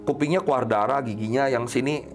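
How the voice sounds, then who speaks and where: A man hosting a podcast, telling a story in casual chat and acting out his friends in sudden high voices. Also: a little fast, faint music behind. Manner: animated, jumps up high when acting out friends.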